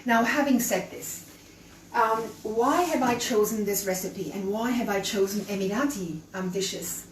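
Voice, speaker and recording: A woman's voice: medium pitch, unhurried. Chatty woman host, roomy distant sound. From Canada and Chile. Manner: chatty, welcoming, addresses viewers directly. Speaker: cooking show host. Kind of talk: live cooking stream. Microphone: camera held by her son at a distance. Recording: roomy and distant with faint hum.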